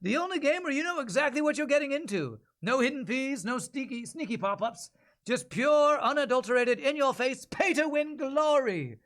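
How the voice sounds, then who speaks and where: A man voicing a brash, hyped salesman in an over-the-top comedic mobile game commercial, loud and punchy. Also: very high-pitched, lively intonation, normal speed, voice pushed up. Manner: loud, punchy, in-your-face salesman delivery. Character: brash, hyped male huckster pitching a greedy mobile game.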